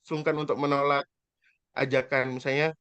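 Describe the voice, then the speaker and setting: A man in his thirties giving an informal guest lecture about his own experience, earnest and hesitant, with drawn-out fillers and polite address to his listeners. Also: medium pitch, little pitch movement, fairly bright tone, clean tone, dry recording, highs cut off. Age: 30s.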